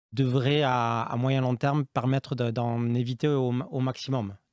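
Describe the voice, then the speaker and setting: A man speaks at medium pitch. The recording is very clean with a silent background, and the sound is dry and close with no echo. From southwestern France, Toulouse. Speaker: banker. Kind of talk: panel discussion. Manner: hesitant, many filler sounds.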